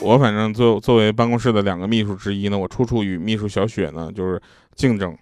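A man's voice: on the low side, steady tone, fast, a little mellow, dry recording, studio quality, faint music behind. A man telling jokes and funny anecdotes in a chatty way, laughing at his own punchlines. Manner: casual slangy asides to the listener.

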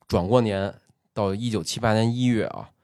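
Male podcast host, low voice, storytelling chat with many fillers, dry sound. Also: a little mellow, dry recording. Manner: storytelling, drawn-out filler particles. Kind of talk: casual chat.

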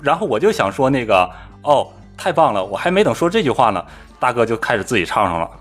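Male podcast storyteller, pitch swings wide, lively and mimicking, casual chat. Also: fast talker, breathy edge, faint music behind. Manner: animated storyteller, mimics voices. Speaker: podcast co-host telling a travel story.

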